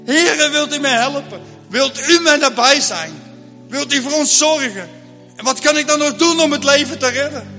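A man's voice: high-pitched, normal speed, hardly any pauses, bright, forceful tone, soft background music. A man voicing a terrified farmer and father, pleading in anguish, in a room with a long echo. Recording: long hall reverb.

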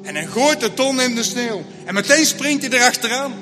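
A man's voice: extremely high pitch, animated, moderate pace. A man telling a Christian story in vivid, rhythmic narration. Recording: long hall reverb, faint music.

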